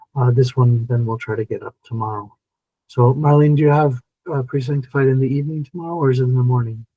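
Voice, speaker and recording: Speaking very fast, a man with a dark, mellow tone sounds somewhat breathy, his intonation fairly even. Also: medium pitch for a man. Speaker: priest leading a reading group. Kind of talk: casual group discussion.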